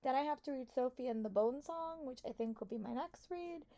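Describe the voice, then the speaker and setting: A young woman with a hoarse voice, chatting casually and upbeat to viewers in a reading vlog. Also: high voice, brisk, mellow, dry recording. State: hoarse, voice shot. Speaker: book vlogger.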